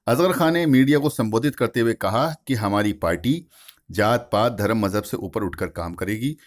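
A man reporting as a local news correspondent in a steady, formal voice-over. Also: mid-range voice.

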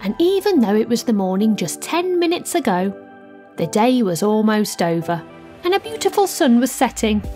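A wry female cartoon narrator, played by a woman tells the story in a fairly high, lively voice. Music plays behind her. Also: normal speed. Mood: wry storytelling. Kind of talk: scripted comic cartoon narration.

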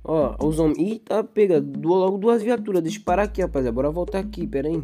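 A man's voice: fairly high pitch, expressive, quick pace. A young Brazilian man with a Brazilian Portuguese accent casually narrating his gameplay, rambling in street slang and hyping up his viewers. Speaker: gaming YouTuber. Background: game music.

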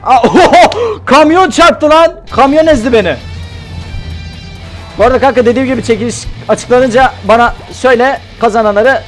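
A man streaming a game live, excitable and talkative, yelping and shouting at the action while chatting to viewers. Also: extremely high pitch, normal speed, faint music behind. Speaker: gaming streamer.

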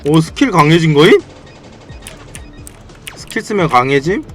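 Excitable high-voiced man streaming a game. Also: measured pace. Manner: playful, bursts into shouts, slangy quips. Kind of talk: excitable let's-play commentary. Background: faint game music.

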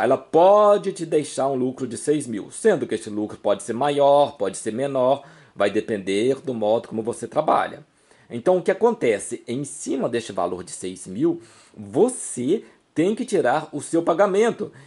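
A man with a Brazilian accent and a medium-pitched voice talks as the host of an advice video. He explains informally through examples, repeating key points with emphasis and often checking in with short tags. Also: a little mellow. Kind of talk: informal instructional talk to camera, explaining with examples.

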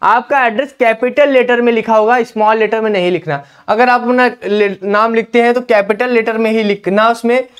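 A man's voice: very high-pitched, steady tone, normal speed, few pauses, clean tone. A young man coaching exam candidates at a whiteboard, giving instructions and often checking in with "theek hai". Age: young adult. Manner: instructive, repeats "ठीक है" often. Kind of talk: whiteboard lesson. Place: indoor classroom at a whiteboard. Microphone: lapel mic.

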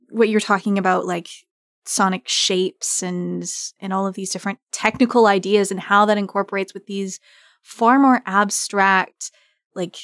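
Female podcast host, medium pitch, effusive delivery, conversational, very dry close recording. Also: fairly bright tone, dry recording. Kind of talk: interview hosting.

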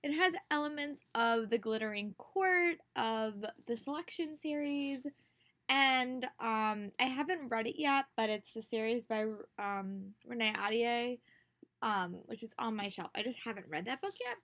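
In a small bedroom lined with bookshelves and posters, a young teacher who runs a book vlog talks casually into a laptop webcam at close range. Her voice sits on the high side, a bit bright and slightly hoarse from a cold, with lively intonation and a measured pace. She's chatty, using many fillers and restarts.

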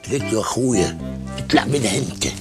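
An actress playing a teasing companion who makes dry remarks, with an Egyptian Arabic accent. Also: female voice, extremely low pitch, lively intonation, quick pace. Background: film score music.

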